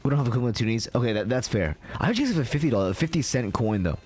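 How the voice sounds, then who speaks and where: A man's voice: medium pitch, lively intonation, rapid-fire, a little mellow, slightly rough, faint music behind. A young man from Canada ranting casually on a live stream, swearing often and filling his talk with "like".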